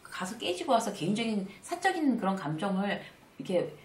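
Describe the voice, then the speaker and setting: Middle-aged woman lecturer, chatty and animated, slightly distant roomy sound. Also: mid-range voice, fairly quick, a little hiss or hum. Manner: conversational, acts out little dialogues with animated asides. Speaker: workplace lecturer and author. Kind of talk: casual spoken lecture.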